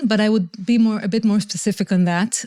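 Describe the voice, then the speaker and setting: A woman with an Israeli accent speaks in a medium pitch. Her tone is dark and mellow, with ordinary pitch variation. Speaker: humanitarian legal advisor. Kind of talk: podcast interview.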